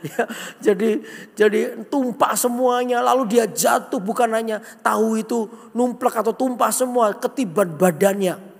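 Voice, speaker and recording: Animated high-voiced man preaching in a hall. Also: moderate pace, creaky. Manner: animated storytelling, voices characters, asks congregation. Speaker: pastor. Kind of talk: sermon with acted-out story. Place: large church hall. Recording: long hall reverb.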